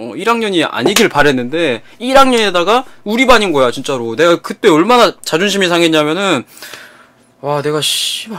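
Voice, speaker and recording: A man with a high pitch speaks in an animated tone. His intonation is lively. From South Korea. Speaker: streamer. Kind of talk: casual storytelling. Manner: repetitive. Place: home room. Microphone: studio mic.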